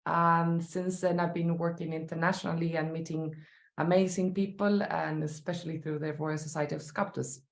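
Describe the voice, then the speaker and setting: A woman from Chile with a Chilean Spanish accent, speaking as a sculptor in an interview, thoughtful and halting with many fillers. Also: low-pitched, level tone, gravelly. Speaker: sculptor guest. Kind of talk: interview answers. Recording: roomy echo.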